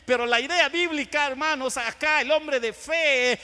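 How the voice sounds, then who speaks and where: Man, pastor, Guatemalan accent, sermon, sharp bright tone, long reverb of the church. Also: very high voice, moderate pace. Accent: Guatemalan Spanish. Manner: preaches with sudden loud swells, then drops to quiet asides; acts out dialogues with churchgoers. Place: church sanctuary.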